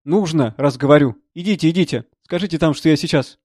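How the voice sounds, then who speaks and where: Man reading an anxious, tearful middle-aged wife, slightly high voice, dry close read. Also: a little fast, a little mellow, no echo, close to an everyday voice. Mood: bossy. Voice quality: tearful, pleading. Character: distraught middle-aged woman, professor's wife, pleading.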